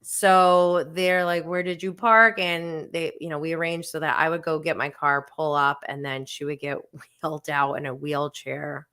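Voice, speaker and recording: A woman in her forties, vlogging to camera as she tells a story in a casual, animated and self-deprecating way, with frequent laughs. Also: low-pitched, moderate pace, clean tone. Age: 40s.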